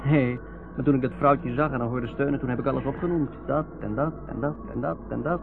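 An actor playing a chatty, reassuring young ship's doctor in a Dutch radio play. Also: male voice, mid-range voice, steady tone, fairly quick, gravelly, over music, lightly acted. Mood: talkative, reassuring. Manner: chatty, reassuring, repeats himself. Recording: noisy narrowband old radio recording.

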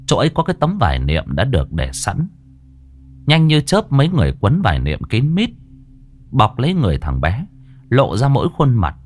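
A man narrating a ghost story in a lively, expressive way. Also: mid-range voice, normal speed.

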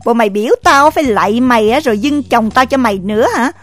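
An actress with a Southern Vietnamese accent playing a jealous, furious village wife, scolding in a shrill, rapid-fire voice in an audio drama. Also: female voice, a bit bright, faint music behind, lightly acted.

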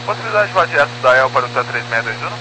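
A man, a pilot with a Brazilian Portuguese accent, reading back clearances over a two-way radio. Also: mid-range voice, expressive, racing. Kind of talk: clipped radio readbacks. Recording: loud radio static.

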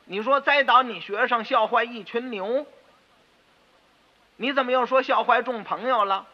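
A male storyteller voicing pompous, indignant stewards of a rich house, loud and blustering, on a dull radio recording with long reverb. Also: very high voice, normal speed, voice pushed up.

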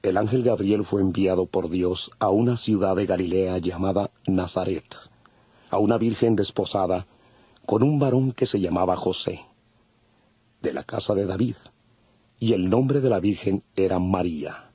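A man narrating scripture from a script in measured storytelling. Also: deep voice, dark tone, slightly rough, no room sound. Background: faint music.

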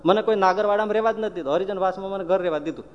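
A man's voice: high voice, rapid-fire, lo-fi sound, pitched above the performer's own voice, lightly acted. A man doing an aggrieved old poet-saint. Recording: long hall reverb.

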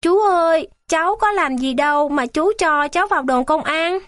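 A woman voicing a small boy in a children's storybook, in a high childlike pleading voice. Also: lively intonation, normal speed, fairly bright tone, no room sound, clean studio sound. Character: small boy worried about his sick mother. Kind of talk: storybook reading.

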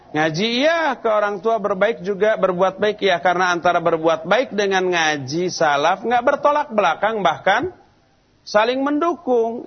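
A man's voice: high-pitched, lo-fi sound. A man preaching in a mosque in a colloquial, storytelling style, acting out the people he quotes. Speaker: Islamic preacher. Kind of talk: sermon. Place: large mosque lecture hall.

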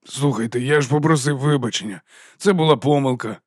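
A man's voice: medium pitch, brisk, dry recording, studio quality, close to an everyday voice. A man doing a weary, mumbling watchman. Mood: sheepish. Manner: mumbling, subdued. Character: weary middle-aged male watch captain, sheepish. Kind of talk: audiobook character voice.

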